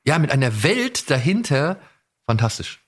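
A man's voice: fairly high pitch, big pitch swings, normal speed, breathy edge. Enthusiastic, rambling man hosting a podcast. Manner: enthusiastic, rambling, self-correcting. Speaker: podcast host. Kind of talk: casual podcast chat about audio dramas.

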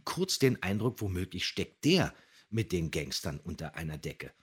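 Low, husky-voiced male podcast host. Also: sing-song, normal speed. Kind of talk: conversational commentary on audio dramas.

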